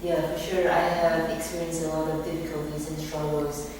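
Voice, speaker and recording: Soft-spoken taiwanese-raised woman answering slowly, roomy echo, bit of hiss. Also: deep voice, flat delivery. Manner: measured and thoughtful, frequent uh fillers. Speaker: interviewee, artist. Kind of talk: interview answers. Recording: echoey room, mic far off, some noise.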